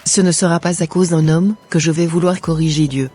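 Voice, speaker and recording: A man's voice: fairly high pitch, fairly even intonation, fairly quick, slightly rough. A man voicing a young Christian woman who is considering cosmetic surgery, speaking in an earnest, plain-spoken way in a cartoon. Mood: resolved. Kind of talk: amateur cartoon voice acting. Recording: soft music underneath.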